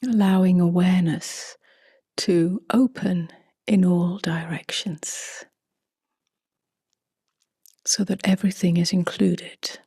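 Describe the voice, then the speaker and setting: A woman leading a guided meditation in a soft, breathy half-whisper, with calm, gently spaced phrases. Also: fairly low pitch, takes it slowly, long pauses, dry recording, clean studio sound. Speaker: meditation teacher.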